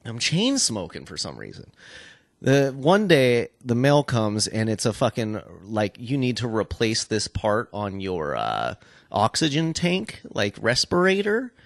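A man's voice: fairly low pitch, huge pitch swings, a little slow, vocal fry, no room sound, studio quality. A man telling stories in a casual, rambling podcast chat, with lots of swearing and "like" thrown in. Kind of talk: casual profane storytelling chat.

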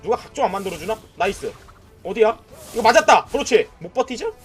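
Over soft background music, a man with a high voice talks fast while streaming a mobile game. Excitable and loud, he cheers, shouts at enemies, and peppers his trash talk with "nice" and "that's it."

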